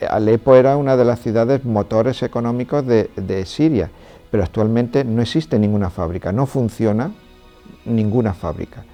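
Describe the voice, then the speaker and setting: Low, dark-voiced priest. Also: male voice. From Córdoba, Spain. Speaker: Trinitarian priest and charity president. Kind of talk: testimony interview.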